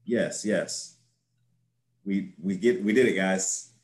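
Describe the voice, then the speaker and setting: A man's voice: deep voice, takes it slowly. Playful man with a roomy echo. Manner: playful, teasing. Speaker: podcast co-host. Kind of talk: casual chat. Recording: roomy echoey sound.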